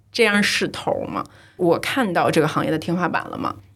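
A woman speaks in a plain, everyday voice at a fairly quick pace, with lively intonation. The recording is very clean, with a silent background. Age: 30s. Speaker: video blogger. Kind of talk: casual chat.

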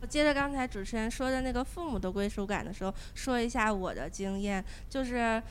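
The woman's pitch is fairly high and her pace fairly quick. Audible room echo surrounds her voice. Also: ordinary pitch variation. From not Sichuan, lived in Beijing 13 years. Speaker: former pharma employee, audience member. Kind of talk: casual group discussion.

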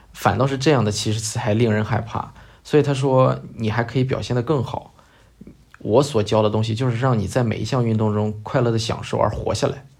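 An unremarkable speaking voice from a man at medium pitch, fairly quick in pace, with fairly even intonation. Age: 30s. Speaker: extreme sports enthusiast, skydiver. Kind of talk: interview conversation.

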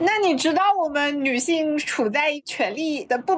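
Noticeable background noise behind a woman with lively intonation. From northern Jiangsu, small town. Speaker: podcast co-host, guest. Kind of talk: casual chat.

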